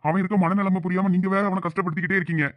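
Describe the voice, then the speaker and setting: A man voicing a cartoon character with a Thoothukudi Tamil accent, pleading and hurried. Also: high-pitched, flat delivery, phone-quality sound, slight background noise. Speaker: narrator and voice of all male characters. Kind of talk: cartoon voice acting.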